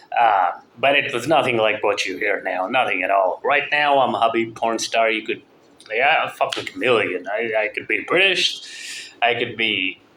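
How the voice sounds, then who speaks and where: Amid noticeable background noise, a man's medium-pitched voice shows ordinary pitch variation. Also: moderate pace. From outside the US, lived in the US South. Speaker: vlogger. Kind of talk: casual rant monologue. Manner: rambling, halting with fillers.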